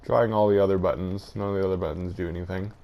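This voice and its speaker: A man with a low voice talks through a video game as he plays. His delivery is casual and a little hesitant, as if working out his thoughts aloud. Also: steady tone, quick pace, vocal fry, muffled recording, a little hiss or hum. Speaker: gaming video host.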